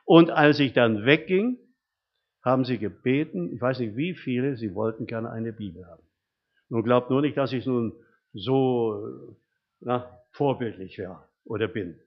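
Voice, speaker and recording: An older man delivers a sermon in an easygoing, storytelling manner, his voice sitting at an ordinary middle pitch. He keeps checking in with listeners through little rhetorical questions. The recording is dull and muffled, lacking top end. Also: unhurried. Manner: folksy storytelling with frequent rhetorical tag questions. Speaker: lay preacher.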